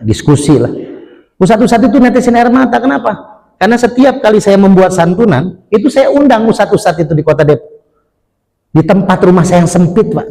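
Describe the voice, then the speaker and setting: A middle-aged man preaching in a mosque, speaking, swinging between loud emphatic lines and quiet asides. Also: high voice. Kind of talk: mosque sermon. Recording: long hall reverb.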